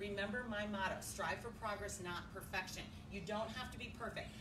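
A woman's fairly quick talking is heard with noticeable noise in the background. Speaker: fitness instructor. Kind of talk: live workout intro chat. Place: garden.

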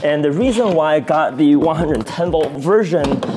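There is light background noise on this clip. A man speaks at a moderate pace. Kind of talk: casual tour walkthrough. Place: garage.

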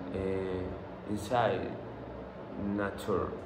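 A man with a strong Andalusian accent amid noticeable background noise. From Andalusia, Spain. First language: Spanish. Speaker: painter. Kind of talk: artist talk, presentation of own work. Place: workshop. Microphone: webcam.

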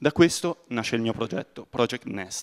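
A man with a normal speaking voice, medium pitch, moderate pace and lively intonation. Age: 20s. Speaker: presenter. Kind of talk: pitch presentation. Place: hall. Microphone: handheld.

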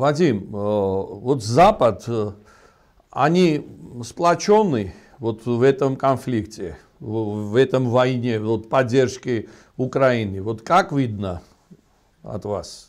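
Against a quiet background, a man with a Georgian accent speaks very slowly with lively intonation and long, frequent pauses. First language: Georgian (speaking Russian). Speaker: host. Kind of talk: discussion. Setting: video call. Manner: halting. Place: studio. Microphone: lapel.

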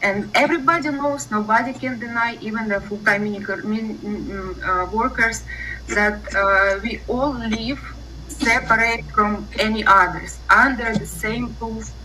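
Light background noise sits behind a woman's voice. She speaks very slowly in a Ukrainian accent. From Ukraine. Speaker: witness, abuse survivor. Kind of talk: testimony. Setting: video call. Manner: halting. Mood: serious, earnest, hesitant. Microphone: video call.

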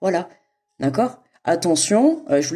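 At a moderate pace, a woman talks in a normal speaking voice with a fairly low pitch. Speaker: card reader. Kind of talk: astrology card reading commentary. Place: home room.

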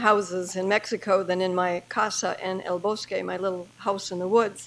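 This woman keeps to a moderate pace as she speaks. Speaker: presenter. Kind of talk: presentation talk. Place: hall.

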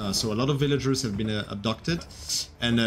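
A man speaks at a moderate pace in a fairly low pitch, his intonation lively over light background noise. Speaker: game director. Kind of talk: live gameplay demo stream. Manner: upbeat. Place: home room. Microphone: headset.

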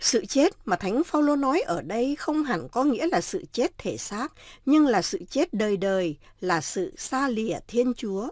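A woman's high voice with very wide pitch swings at a fairly slow pace, dry with no echo over a quiet background. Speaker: radio presenter. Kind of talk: scripted narration. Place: studio. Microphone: studio mic.

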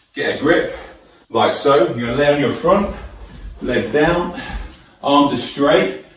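Audible room echo surrounds the recording. A man talks at a fairly high pitch. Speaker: fitness instructor. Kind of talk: guided workout demonstration. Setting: video, indoors hotel-style room. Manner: encouraging, coaching cues; steady, rhythmic rep counting. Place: home room. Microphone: camera far.

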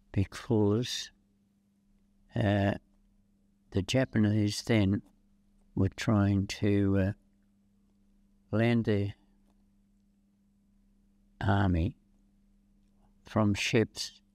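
In a dry recording with no echo, a man talks at a very slow, fairly low pitch with long, frequent pauses and a monotone, flat intonation. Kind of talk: interview answer. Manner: frail, halting very old voice. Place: home room. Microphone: lapel.

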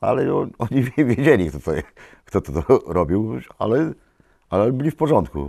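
This man's fairly low voice has a dark, mellow tone and vocal fry, with very wide pitch swings and big shifts in loudness, recorded dry with no echo against a quiet background. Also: moderate pace. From Poland, Gdańsk; Poland. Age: 50s. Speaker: local resident sharing memories; oral history narrator. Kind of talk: oral history interview. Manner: halting, with repetitions. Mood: warm, nostalgic, smiling. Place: studio.

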